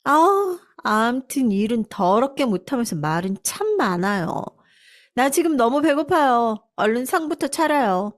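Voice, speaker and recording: Casting: haughty spoiled young wife, sneering and bossy, pitched high in a storybook reading, put on by a woman narrator. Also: big pitch swings, a little slow. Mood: scornful.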